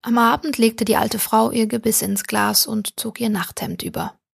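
A woman reading a short story aloud as an audiobook narrator, calm and even, close to the mic. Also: fairly high pitch, moderate pace, vocal fry, slightly rough, no echo. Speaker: audiobook reader. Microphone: close studio mic.

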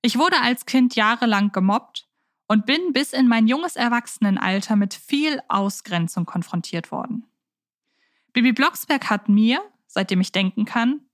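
Woman podcast host, fairly high voice, dry close sound, chatty or reading stuff out. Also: animated, unhurried, dry recording. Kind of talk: casual podcast chat and reading aloud.

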